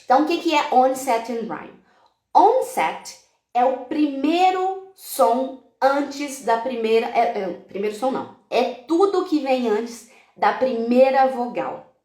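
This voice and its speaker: A woman's voice: high voice, big pitch swings, slow pace, a little mellow, roomy sound. A woman teacher from Brazil giving a live-stream talk to other teachers, explaining classroom activities step by step and dropping in English example words.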